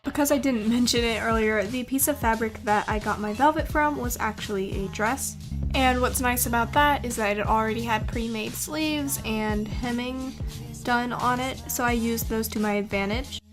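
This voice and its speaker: A young woman narrates a how-to in a fairly high voice over light music. She explains each step in order, as a prepared voice-over. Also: normal speed. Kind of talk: scripted tutorial voice-over.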